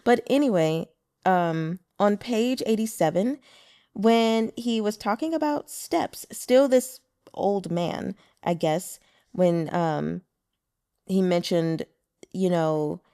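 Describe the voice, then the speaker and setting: Woman narrator, casual and chatty, explaining words between chapters; dry, mid-pitched read. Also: slow pace, mellow, clean tone, dry recording. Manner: chatty, explains Mandarin terms, laughs often. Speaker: audiobook narrator.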